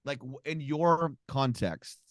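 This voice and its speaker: A man's voice: mid-range voice, slow pace, dry recording. Brief: male podcast host, rambling interviewer, dry close recording. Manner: rambling questions with fillers. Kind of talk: casual interview.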